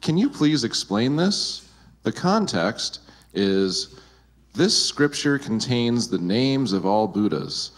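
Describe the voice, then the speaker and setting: A man's voice: mid-range voice, sing-song, takes it slowly. A man acting as moderator, carefully reading out questions in a polite, deferential way. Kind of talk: careful reading aloud to a teacher.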